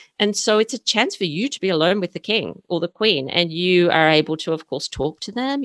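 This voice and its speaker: A woman with an Australian accent speaks at medium pitch with lively intonation and hardly any pauses, the sound dry and close with no echo over a quiet background. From Australia, Sydney. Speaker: historian and author. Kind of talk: interview.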